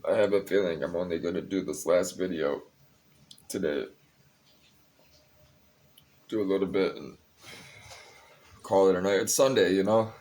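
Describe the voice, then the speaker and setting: Young male vlogger, very low voice, tired, loose confessional ramble with plenty of swearing. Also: moderate pace, long pauses, a little mellow. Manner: rambling, confessional, curses freely. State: tired, a bit high. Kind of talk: casual personal vlog talk.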